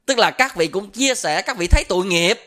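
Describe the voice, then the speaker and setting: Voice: mid-range voice, lively intonation, fairly quick, pushed and bright. A Buddhist dharma teacher gives a sermon. The speaker often asks the listeners questions and repeats filler words while searching for a phrase. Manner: asks the audience rhetorical questions.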